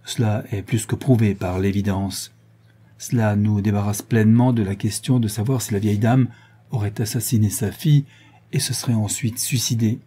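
A man reading an audiobook, voicing a young gentleman detective who lays out his reasoning in a calm, measured, lecturing way. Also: fairly low pitch, slightly rough. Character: young male gentleman detective, cool and methodical.

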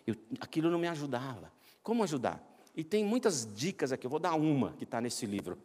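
Brazilian pastor, middle-aged man, lively storyteller with self-mocking jokes, reverberant church. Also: on the high side, brisk. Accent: Brazilian Portuguese. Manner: animated, acts out quoted voices, self-mocking jokes. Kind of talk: humorous sermon storytelling. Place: large church sanctuary.

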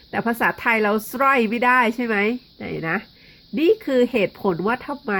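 Thai-native lady reading a kids book out loud, chatty, wanders off topic a lot. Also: medium pitch. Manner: chatty, rambling asides between reading. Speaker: online reader. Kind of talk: chatty read-aloud.

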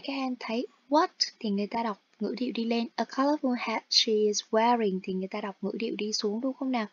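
A woman's voice: a little high, a little mellow, slightly rough, no echo, lo-fi sound. A woman teaching an English lesson online, explaining step by step and speaking directly to her students.

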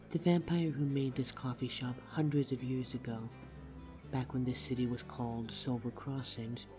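A man acts out a vampire barista in an audio drama. He is polite on the surface, with dry, teasing barbs underneath. His mid-pitched voice sits over clearly audible music. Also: lightly acted. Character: courteous but snide centuries-spanning vampire barista. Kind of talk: audio roleplay acting. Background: music behind the voice.

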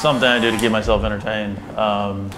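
Easygoing man under loud clipper buzz. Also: lowish voice, level tone, fast talker, noisy background. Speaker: barbershop client. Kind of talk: casual chat. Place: barbershop. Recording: loud buzzing clippers over the voice. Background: loud electric shaver buzz.

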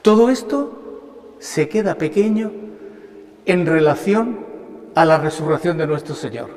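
Older bishop preaching with church reverb. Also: male voice, on the high side, animated, a little mellow. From Spain. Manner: slow, earnest preaching with rhetorical questions. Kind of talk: homily at Mass. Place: large church chapel. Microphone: stand mic at a lectern.

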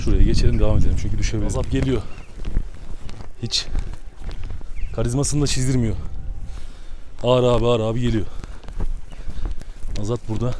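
A man's voice: mid-range voice, steady tone, a little fast, long pauses, darkish tone, a little hiss or hum. A man on a farm, coaxing and scolding his dogs in a friendly way while chatting to viewers. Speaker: shepherd-dog keeper vlogger. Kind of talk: casual outdoor vlog, coaxing dogs. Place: outdoors on a muddy farm. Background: animals and rural outdoor ambience.

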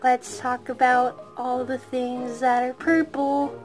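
Woman playing a high, slow, sugary platypus kids' show host; faint music. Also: flat delivery. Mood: sweet. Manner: singsong, slow and sweet. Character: Poppy, cheerful purple platypus TV host.

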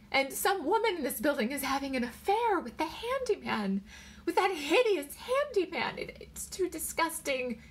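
A woman voicing an anxious, distraught wife in a story, shrill and wailing as she pleads. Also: vocal fry, fairly bright tone, slightly rough, full character voice.

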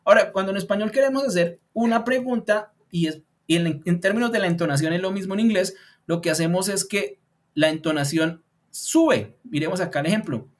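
A man teaching a beginner English class online, explaining step by step and thinking aloud as he edits his slides, with many fillers, and slowing down to model example sentences. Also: high voice.

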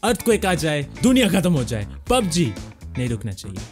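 A young man with an Indian accent hosts a gaming clip showcase in a high, swooping voice. He reacts casually and exclaims often, with faint music behind him. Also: racing. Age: 20s. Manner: expressive, exclaiming, often chuckling. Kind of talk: casual reaction commentary on game clips. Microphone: close desktop condenser microphone with headset on.

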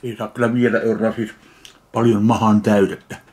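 A man from Finland tasting and reviewing a ready meal in slow, dry, deadpan remarks. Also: fairly low pitch. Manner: slow, dry, deadpan commentary between bites. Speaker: food reviewer. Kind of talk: casual food tasting review.

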